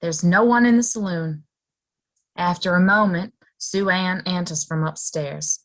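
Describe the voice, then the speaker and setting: A woman's voice: on the low side, measured pace. A woman reading stage directions as scripted narration for an audio play.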